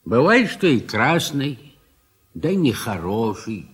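Slow, husky old landowner. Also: male voice, mid-range voice, big pitch swings, fairly bright tone, full character voice. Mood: mild grumbling. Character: gentle, food-loving old country landowner husband. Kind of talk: radio play acting.

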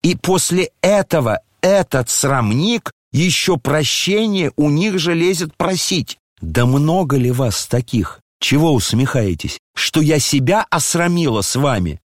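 A man voicing an agitated, scolding older noblewoman, reading with shrill indignant outbursts in a dry studio sound. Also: lively intonation, measured pace, few pauses, dry recording.

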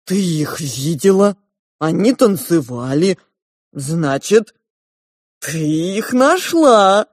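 A woman voicing a pompous two-headed white female pig in an audiobook, speaking in a slow, ponderous, drawn-out way. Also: lowish voice, sing-song, no room sound, studio quality, exaggerated voice. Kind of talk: audiobook character voice.

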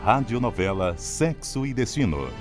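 A man's voice: mid-range voice, sing-song, normal speed. A man announcing scripted radio drama credits in a formal, declamatory manner. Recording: music bed behind announcement.

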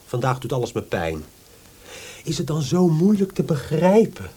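A man's voice: a little high, very animated, moderate pace, dark tone, breathy edge. An actor playing a sleepless, lovesick young man in a radio play, pleading and self-absorbed in a dramatic way. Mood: anguished, yearning. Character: sleepless, lovesick, melodramatic young male visitor. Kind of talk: Dutch radio play acting.

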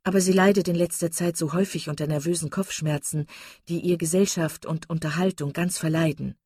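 A woman's voice: sits low, steady tone, a little fast, a little mellow, slightly rough, no room sound, clean studio sound. A woman reading a composed, polite young lady. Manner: polite, restrained.

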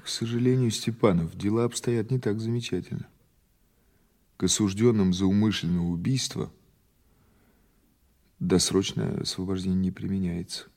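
An actor playing a patient, skeptical police investigator in an audio drama, questioning in a halting, conversational, insistent way. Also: male voice, sits low, fairly even intonation, gravelly, a little mellow. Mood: calm, probing. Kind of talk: naturalistic audio drama dialogue.

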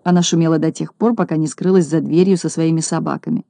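Woman audiobook narrator, storybook reading, low warm voice. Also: fairly even intonation, fast talker, vocal fry, no echo, studio quality.

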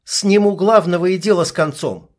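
A man's voice: sits high, moderate pace, pitched above the performer's own voice, lightly acted. A male reader voicing a tough young female sniper who talks in blunt, clipped lines and swears. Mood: impatient.

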